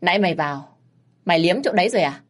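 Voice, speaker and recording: A woman's voice: lowish voice, quick pace, lightly acted. A woman voicing a wronged young wife who speaks up in a raised, reproachful voice.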